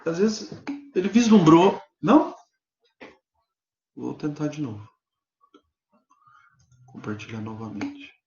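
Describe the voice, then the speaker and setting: Male law professor, Brazilian accent, fairly high voice, explanatory online class, echoey room on a lo-fi mic. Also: slow, long pauses, slight background noise. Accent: Brazilian Portuguese. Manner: explanatory, peppered with "né?" and "tá?" check-ins; animated pitch swings for emphasis. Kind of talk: live online lecture. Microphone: computer mic on a video lecture platform.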